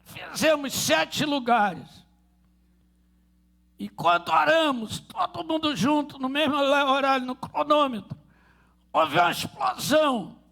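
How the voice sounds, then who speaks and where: A pastor with a Rio de Janeiro accent preaching a fervent sermon and telling stories. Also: male voice, extremely high pitch, slow pace, creaky, sharp tone. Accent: Rio de Janeiro Portuguese.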